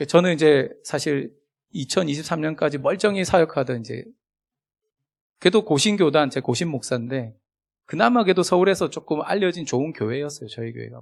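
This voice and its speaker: A man speaks at a fairly quick pace in a plain, everyday voice, fairly high in pitch, with lively intonation and big swings in loudness. The recording is very clean, with a silent background. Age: 40s. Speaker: missionary pastor. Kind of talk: sermon.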